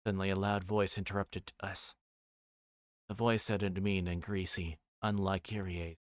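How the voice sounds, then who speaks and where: A man's voice: deep voice, level tone, unhurried, no echo, studio quality. A man livestreaming a visual novel, reading the story aloud as narration with his own asides and voicing the dialogue. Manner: voices characters' dialogue while reading.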